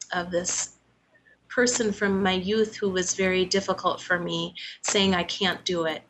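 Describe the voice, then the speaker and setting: A woman therapist answering a caller's question in a thoughtful, gentle way with many pauses. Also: mid-range voice, background noise. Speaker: guest, therapist. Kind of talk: reflective interview answer.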